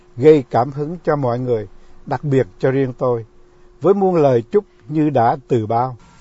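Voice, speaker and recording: Somewhat breathy, the voice has lively intonation and a fairly slow pace. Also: man. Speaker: radio announcer. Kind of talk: reading aloud.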